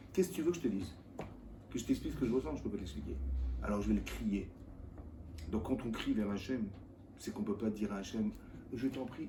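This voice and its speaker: Male rabbi, informal Torah class, animated, keeps quizzing the audience; roomy, distant recording. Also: fairly low pitch. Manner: colloquial and animated, firing rhetorical questions at listeners. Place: lecture room with live audience. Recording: echoey room, mic at a distance, faint background noise.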